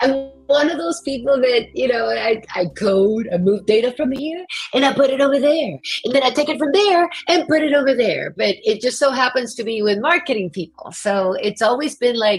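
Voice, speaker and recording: A woman's high-pitched, animated voice with a Spanish accent, against noticeable background noise. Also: lively intonation, moderate pace. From Puerto Rico. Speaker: data engineer and YouTube co-host. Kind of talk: casual chat.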